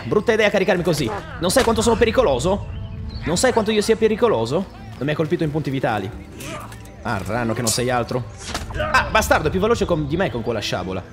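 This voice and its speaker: A man giving excitable, jokey running commentary while playing a video game. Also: a little high. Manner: excitable, jokey, shouts at enemies in combat. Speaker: gameplay streamer. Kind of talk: casual let's play commentary.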